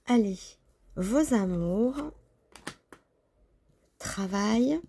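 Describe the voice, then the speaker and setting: A woman's voice: mid-range voice, expressive, very slow, dark tone, husky. A woman chatting casually as she lays out a tarot reading, talking to herself while she handles the cards. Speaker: tarot reader.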